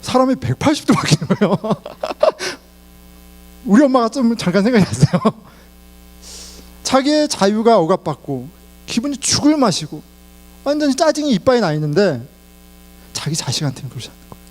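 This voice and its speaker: A man's voice: high-pitched, big pitch swings, moderate pace, pauses often. A middle-aged man preaching a sermon in Korean, telling personal stories and laughing along the way. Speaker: pastor.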